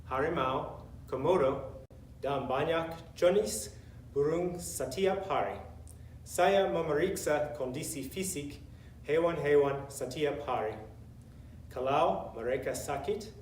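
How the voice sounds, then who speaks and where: A man from the United States with an American accent, a non-native speaker deliberately giving a prepared self-introduction. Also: a little high. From Indiana, United States. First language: English. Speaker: language student. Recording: roomy, distant mic, faint noise.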